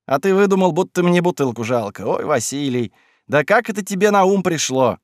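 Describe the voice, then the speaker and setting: A man's voice: a little high, expressive, brisk, no echo, studio quality, voice pushed up, natural voice. A man voicing a stingy, wheedling middle-aged village woman with plaintive, defensive speech. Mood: pleading.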